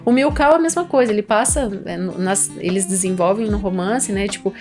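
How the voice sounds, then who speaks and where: A woman's voice: mid-range voice, brisk, darkish tone, faint music behind. A woman with a Brazilian accent co-hosting a literary podcast, explaining things conversationally with frequent tag questions. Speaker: podcast co-host.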